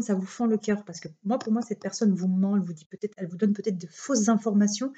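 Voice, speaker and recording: A woman's voice: mid-range voice, warm tone. A woman with a Belgian French accent doing a casual card reading, chatty and rambling with many fillers, just recovering from illness. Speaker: tarot card reader. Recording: dull lo-fi home recording.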